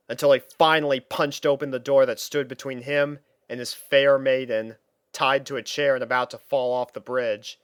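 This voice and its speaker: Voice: medium pitch, clean tone, no room sound, clean studio sound. A narrator reading a story aloud from a script. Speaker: fan fiction reader and narrator.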